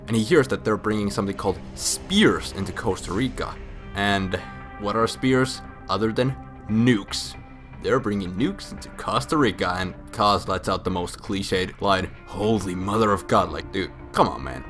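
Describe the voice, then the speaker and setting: Drunk-sounding male comic narrator, lowish voice, profane, sarcastic, rambling; faint music bed. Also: a bit bright. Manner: crude, sarcastic. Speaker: host of a comic video game storyline recap.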